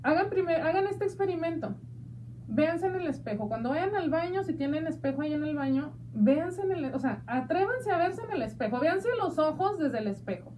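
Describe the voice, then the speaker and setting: A woman with a Mexican accent hosting a talk show, chatty and playful, speaking warmly to her listeners. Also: high voice, animated, a little fast, distant mic, slight background noise. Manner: chatty and playful, calls listeners "hija de mi vida". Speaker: radio show host. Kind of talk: casual talk show chat.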